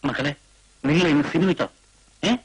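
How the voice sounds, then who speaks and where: A hurried, uneasy father. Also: on the high side, breathy edge. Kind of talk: film drama acting.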